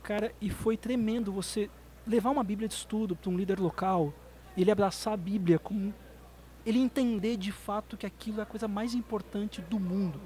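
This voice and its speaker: A Brazilian man with a high-pitched voice tells stories as a guest on a podcast. He talks with feeling and comes out in quick bursts, his accent clear throughout. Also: mellow, a little hiss or hum, rough recording. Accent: Brazilian Portuguese. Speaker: missionary guest. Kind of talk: podcast conversation.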